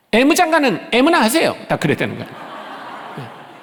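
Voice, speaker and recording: A man talks at a very fast pace. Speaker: missionary preacher. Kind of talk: sermon.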